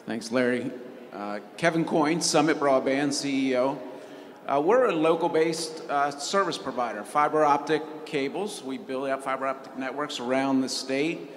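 A man introducing his company on a conference panel, pausing often with fillers. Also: medium pitch, slight background noise. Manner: hesitant, many uh fillers. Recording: reverberant conference hall.

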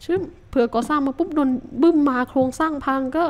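A woman hosting a survival game let's-play, talking to herself in a chatty, casual way with sudden startled shouts. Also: high voice, fast talker. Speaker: Minecraft let's-play host.

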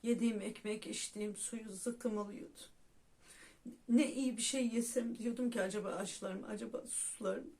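A woman's voice: medium pitch, fairly even intonation, normal speed, mellow. A woman vlogger telling viewers a heartfelt personal story with religious devotion, speaking directly to them as friends.

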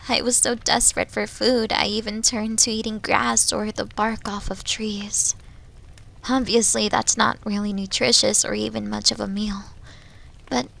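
A woman's voice: a little high, creaky, fairly bright tone, exaggerated voice. A woman voicing a shy, starving young wolf girl in an ASMR roleplay, hesitant, apologetic and stammering, often slipping toward a whisper. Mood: pleading. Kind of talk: ASMR roleplay audio drama.

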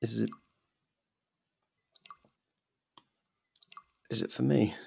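A man playing a frightened, humiliated young captive in an ASMR roleplay, halting and timid, with a gravelly voice. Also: mid-range voice, steady tone. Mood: timid, submissive. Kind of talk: ASMR roleplay audio drama. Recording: echoey, long cavernous reverb.

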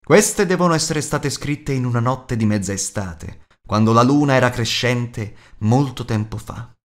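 Casting: wise elf lore master, read by a man, grave and measured, fantasy audiobook. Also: medium pitch, lightly acted. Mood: grave, explanatory.

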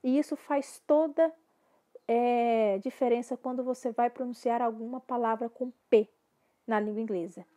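A woman with a Brazilian accent teaching English pronunciation, slowly repeating words to demonstrate the sounds. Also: fairly high pitch, steady tone, dark tone. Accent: Brazilian Portuguese. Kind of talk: slow, deliberate lesson to camera.

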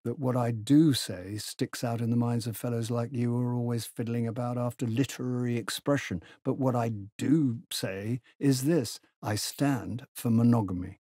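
A man playing a blunt, scornful gentleman moralist. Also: medium pitch, steady tone, normal speed, few pauses, no room sound, clean studio sound, close to an everyday voice. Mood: sardonic, assured. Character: gruff contemptuous blunt Yorkshire gentleman, combative moralist.

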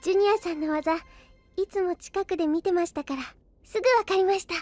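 Casting: a polite, gentle young girl, very high voice, earnest and devoted, anime radio play. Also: steady tone, fairly quick, faint music behind. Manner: polite, soft-hearted, earnest. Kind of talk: Japanese anime-style audio drama acting.

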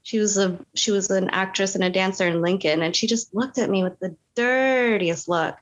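Woman from Canada, guest actress, chatty storytelling, filler-heavy, animated quoting. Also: mid-range voice, moderate pace, lo-fi sound. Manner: animated, frequent "like" fillers, quotes people in voices. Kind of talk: casual interview storytelling.

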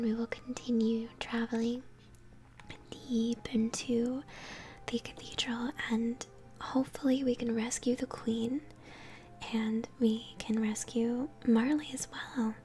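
A young woman whispering gently as she hosts an ASMR let's-play, commenting on a game. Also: fairly high pitch, flat delivery, unhurried. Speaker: host, gamer. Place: small room at home, indoors.

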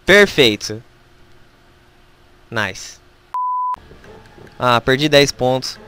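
A game streamer with a Brazilian Portuguese accent, excitedly commenting on gameplay during a live stream and talking straight to the game. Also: mid-range voice, drawn-out words, background noise.

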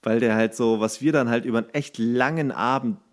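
A man co-hosting a casual podcast chat, joking around and laughing often. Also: fairly quick. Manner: laughing, jokey, acts out quotes in a high voice. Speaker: podcast co-host.

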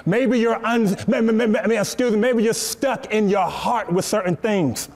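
A young man preaching a sermon from a church stage, lively and repetitive, with stammered restarts. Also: sits high, normal speed. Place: church stage, seated on a stool.

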